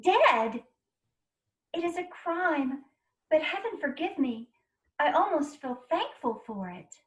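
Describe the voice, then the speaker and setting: An anxious, gentle young wife played by a woman in an amateur story play. The voice is very high and swoops about, with slow delivery. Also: sing-song, exaggerated voice. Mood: hopeful, relieved. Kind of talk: amateur dramatised reading.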